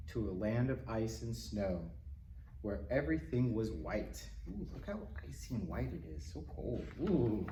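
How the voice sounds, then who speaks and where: A man reading a picture book aloud to young children in a gentle, simple manner, with little asides to them as a storytime reader. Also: medium pitch. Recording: roomy, distant mic with faint noise.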